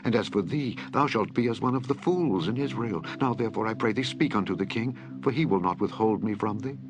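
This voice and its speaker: A man's voice: fairly low pitch, fairly quick, background noise, pitched above the performer's own voice, lightly acted. A man reading the lines of a pleading young princess in a plain, earnest way.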